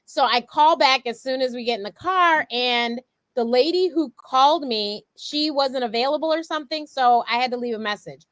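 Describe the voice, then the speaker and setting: A woman's voice: high-pitched, moderate pace, fairly bright tone, no room sound. A woman in her forties hosting a talk show, who tells a story with animation and acts out her own quotes. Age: 40s. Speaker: host. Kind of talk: casual talk show chat.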